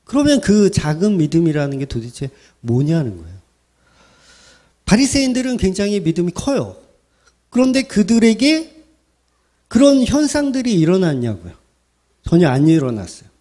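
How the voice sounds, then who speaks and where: A man's voice: high-pitched, very animated, moderate pace, long pauses, dark tone. A man preaching a sermon at a summer retreat as pastor, chatty and joking, asking the audience rhetorical questions.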